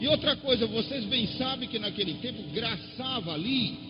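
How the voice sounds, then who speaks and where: An extremely high-pitched man with a Brazilian accent and very wide pitch swings, at a fairly slow pace, with noticeable background noise and audible room echo. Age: 60s. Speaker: pastor. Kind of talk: sermon.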